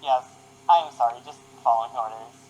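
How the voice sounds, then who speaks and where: A man's voice: medium pitch, brisk, darkish tone, a little hiss or hum, lightly acted, low-quality recording. A man playing a polite, dutiful police officer who questions people courteously and officially in a radio drama. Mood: polite, insistent. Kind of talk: amateur radio drama acting.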